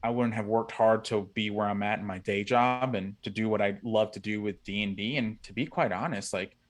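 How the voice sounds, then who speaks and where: A man's voice: fairly low pitch, brisk. A man in his thirties talking earnestly as a podcast guest, rambling with many restarts. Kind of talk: casual chat.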